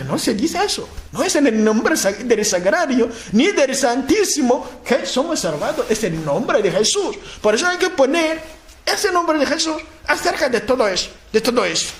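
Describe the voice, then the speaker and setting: A man with a very high voice gives a spoken sermon, his pitch leaping around as he acts out people's replies. He repeats himself and stumbles over words. It sounds like an echoey convent hall with a faint hiss behind him. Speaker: preacher. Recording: echoey room, faint noise.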